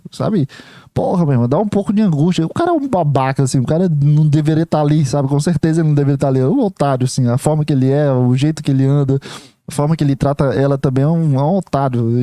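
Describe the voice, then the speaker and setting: A man's voice: a little high, dark tone, no room sound. A young man with a Brazilian accent giving a rambling casual opinion monologue, full of restarts and fillers. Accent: Brazilian Portuguese. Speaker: commentator.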